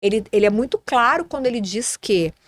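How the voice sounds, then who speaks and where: Female co-host, thoughtful explainer, slightly high pitch, dry studio mic. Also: lively intonation, fairly quick, a bit bright, no echo. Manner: reflective, explanatory, restarts phrases. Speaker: podcast co-host. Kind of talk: casual conversational podcast.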